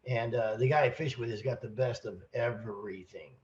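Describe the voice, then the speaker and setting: A man co-hosting a casual podcast, hoarse from a cold, telling a rambling, animated story with many restarts. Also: mid-range voice, moderate pace, highs cut off. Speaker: podcast co-host, sales manager.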